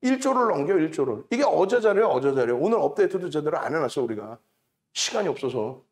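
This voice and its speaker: A man's voice: on the high side, big pitch swings, fast talker. A middle-aged man hosting a stock market show, lecturing on charts and stock prices in an emphatic way, repeating key numbers and mocking rivals.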